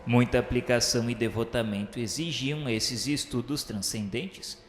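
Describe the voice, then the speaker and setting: An actor with a Brazilian accent playing a solemn male spirit narrator in a radio drama, speaking in formal, measured, declamatory literary phrases. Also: medium pitch, fairly even intonation, lightly acted. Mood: solemn, reverent. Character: solemn male spirit recounting his afterlife studies and remorse. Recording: echoey hall reverb under music. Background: background music.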